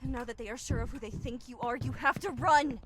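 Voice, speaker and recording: A woman's voice: a little high, fairly quick, very noisy, close to an everyday voice. A woman playing an urgent, protective young friend in a dramatic horror game. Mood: grave, warning. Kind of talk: dramatic video game acting.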